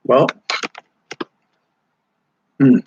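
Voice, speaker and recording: A man's voice: extremely slow, no room sound. A middle-aged man chatting casually on a live stream, rambling with lots of fillers and restarts. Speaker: motorcycle vlogger live streaming. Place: hotel or rest stop while traveling. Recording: dull lo-fi dry sound.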